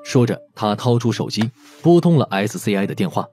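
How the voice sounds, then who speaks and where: A man's voice: on the low side, animated, fairly quick, dark tone, soft background music. A man narrating a scripted audiobook story expressively.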